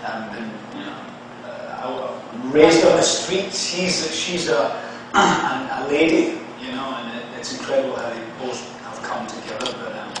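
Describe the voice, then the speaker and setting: A man's voice: mid-range voice, measured pace, few pauses. A male actor talking on a convention panel, rambling and joking with frequent laughs. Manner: jokey, rambling, laughs often. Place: large convention hall stage. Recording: echoey hall from far off, noisy.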